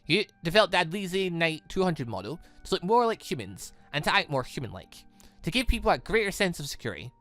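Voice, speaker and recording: A game player voicing a grave, worried male military commander with a measured, solemn and formal delivery. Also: medium pitch, sing-song, fairly bright tone, soft background music. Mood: stern concern.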